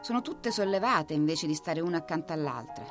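A woman's voice: sits low, animated, a little fast, over music. A woman voicing an eager, chatty young male hedgehog in a storybook reading.

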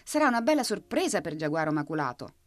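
A woman voicing a slow, stubborn female turtle who speaks in a firm, measured way in a storybook reading. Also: sits low, big pitch swings, no echo. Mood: sly, encouraging.

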